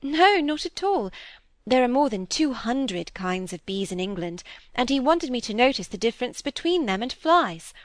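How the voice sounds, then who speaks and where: A woman's voice: fairly high pitch, big pitch swings, normal speed, no room sound, pitched above the performer's own voice. A woman voicing an earnest young girl who speaks openly and grows indignant easily.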